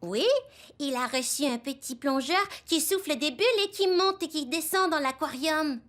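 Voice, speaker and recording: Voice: high-pitched, moderate pace, sharp tone. A performer playing a chatty, friendly little boy in a children's cartoon, with an enthusiastic manner. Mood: chatty, amused.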